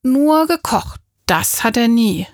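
Slow, measured woman reading a storybook. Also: fairly high pitch, animated, no echo, clean studio sound. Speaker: audiobook reader. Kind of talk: scripted narration.

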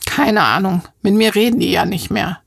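A woman's voice: mid-range voice, normal speed, gravelly, husky, dry recording, studio quality. A woman reading a children's audiobook, voicing a chatty, gossipy grown woman with a conspiratorial, breathless manner. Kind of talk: audiobook character voice.

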